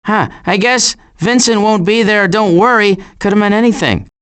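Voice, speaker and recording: Wry, wisecracking cartoon woodland critter. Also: male voice, sits high, moderate pace, fairly bright tone, smooth. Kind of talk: animated video game character lines.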